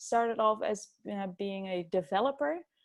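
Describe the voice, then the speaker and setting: A woman with a Dutch accent at a fairly slow pace. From Netherlands. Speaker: agile coach. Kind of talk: webinar presentation.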